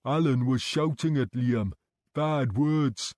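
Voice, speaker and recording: A childlike grown man in a care home, played by a male storyteller, speaking in short, blunt, mischievous bursts. The voice sits a little raised and pushed louder than the reader's own, with a soft, mellow tone. Dry and close. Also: medium pitch, takes it slowly, no room sound, lightly acted. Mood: cheeky. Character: childlike, simple-spoken adult male care home resident.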